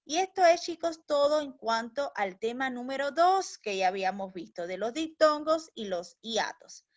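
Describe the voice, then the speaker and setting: Her voice sits high with lively intonation at a normal pace, though the audio sounds dull. A primary school teacher leading a recorded language lesson for kids, she patiently explains step by step, fondly calls the pupils "mis niños," and keeps asking "¿ya?" to make sure they follow.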